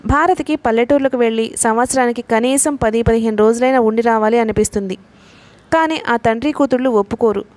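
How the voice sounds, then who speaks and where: A woman reading a novel aloud in a steady storytelling manner. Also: fairly high pitch, a little fast. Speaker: audiobook narrator.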